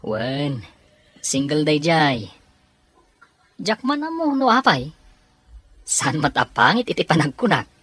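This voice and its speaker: A woman voicing an easygoing, teasing young man in an Ilocano Filipino audio drama, with a husky voice. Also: deep voice, sing-song, slow pace, long pauses, fairly bright tone, no echo, heavily acted. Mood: teasing, friendly.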